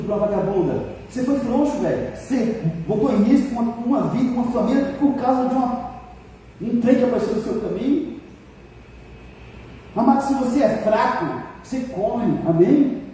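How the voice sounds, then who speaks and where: Older brazilian pastor preaching, high mellow voice, joking and asking the crowd to answer, big echo from far off. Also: male voice, brisk. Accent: Brazilian Portuguese. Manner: folksy, teasing, asks the congregation to answer. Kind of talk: sermon. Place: church hall. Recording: echoey church hall, mic far off, faint noise.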